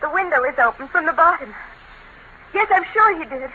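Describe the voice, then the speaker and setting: An actress playing an anxious hospital nurse in a 1940s radio drama, flustered and urgent. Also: female voice, very high voice, lively intonation, brisk, pushed and bright, a little hiss or hum, exaggerated voice. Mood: alarmed. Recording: muffled 1940s radio broadcast.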